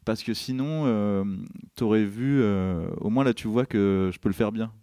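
A man's voice: on the low side, a little slow, clear, resonant tone, no room sound. A man from Brittany, a film director, chatting as a podcast guest and acting out the people in his anecdotes. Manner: animated storyteller, acts out quoted people. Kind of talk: casual interview chat.

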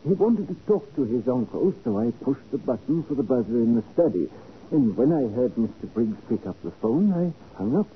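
A man's voice: medium pitch, sing-song, normal speed, narrow, tinny audio, natural voice. An actor playing a deferential houseman with formal, polite manners in a 1940s radio drama. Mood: earnest, respectful. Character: deferential, proper houseman to a wealthy man. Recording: thin, hissy 1940s radio recording.

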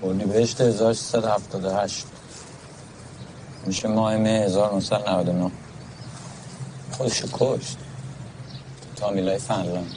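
Actor as low-voiced needling man in a film scene, clear street noise behind. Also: long pauses, close to an everyday voice. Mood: flat. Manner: flat, needling, then defensive. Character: man teasing a grieving woman he knew. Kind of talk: film dialogue.

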